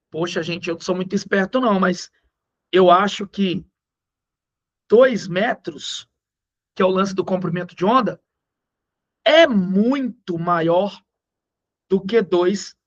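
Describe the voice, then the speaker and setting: A man with a Brazilian accent teaching physics in a recorded lesson. He talks in a slangy, joking way and slows down to stress the key numbers. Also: sits high, a bit bright, highs cut off. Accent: Brazilian Portuguese.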